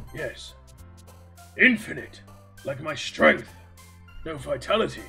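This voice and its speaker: Against clear background music, a man uses a put-on character voice at a fairly slow pace. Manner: boastful, loud, maniacal laughter.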